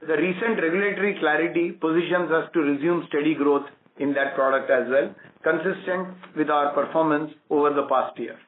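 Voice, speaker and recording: Over a static-filled, tinny phone connection with a roomy echo, a male bank executive reads his scripted earnings call presentation. He has an Indian accent, a voice on the higher side, and a formal, carefully measured manner.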